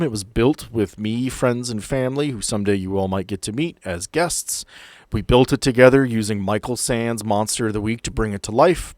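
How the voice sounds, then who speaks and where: A man's voice: fairly low pitch, no echo. A man hosting a tabletop game podcast as game master, chatting casually, joking, swearing freely and interrupting himself.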